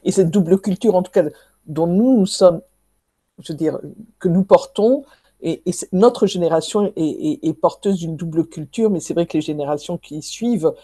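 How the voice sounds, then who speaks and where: A woman's voice: lowish voice, moderate pace, mellow, slightly rough, no echo. A woman interviewer asking long, winding questions with restarts.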